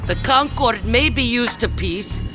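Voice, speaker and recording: An actress playing a stern, unflappable older retired security officer in an audio drama, with formal, clipped, deadpan phrasing. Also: female voice, a little high, unhurried, music in the background. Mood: stern warning.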